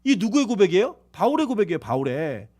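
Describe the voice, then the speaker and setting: A male pastor preaching a sermon in a church, swinging from loud peaks to quiet asides and telling self-mocking stories. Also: sits high, very animated, fast. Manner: tells a self-mocking story about his own life. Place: church sanctuary.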